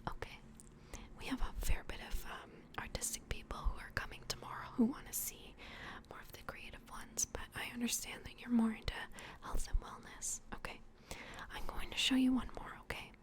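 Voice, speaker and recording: High-pitched whispering woman, ASMR roleplay. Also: little pitch movement. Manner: gentle, hushed, reassuring, unhurried explaining. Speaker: ASMR roleplay host playing a plush toy adoption worker. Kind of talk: soft-spoken whispered ASMR personal-attention roleplay.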